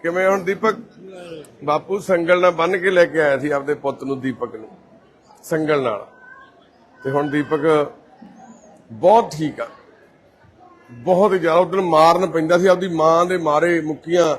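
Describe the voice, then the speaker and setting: A man from Punjab, India, the volunteer host of a care society, walking through a care centre and gently reassuring patients and their families. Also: a little high, normal speed, long pauses. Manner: gentle and reassuring, calls people mother and brother. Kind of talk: casual on-camera walkthrough talk.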